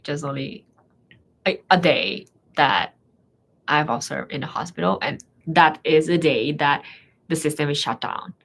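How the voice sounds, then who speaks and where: A young woman whose first language is Thai, a medical student guest speaking English in a hesitant, halting way. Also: low-pitched, creaky, a bit bright. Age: young adult. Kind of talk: casual live chat.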